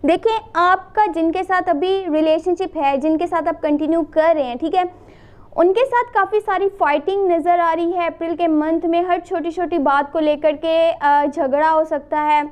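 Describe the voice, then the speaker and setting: A woman from Pakistan, slightly hoarse from a sore throat, gives a casual tarot reading. She talks straight to the viewer, repeating and listing phrases and mixing in English. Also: extremely high pitch, steady tone, normal speed, darkish tone. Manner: addresses the viewer directly, repeats and lists phrases, mixes in English. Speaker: tarot reader.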